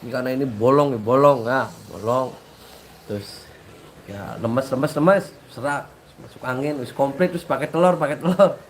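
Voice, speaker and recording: A man's voice: medium pitch, moderate pace, slight background noise. A man with a stuffy nose, rambling casually to his followers and repeating himself. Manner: rambling, repetitive, mixes in local words. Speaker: preacher addressing followers. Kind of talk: casual live-stream talk with chanted sholawat.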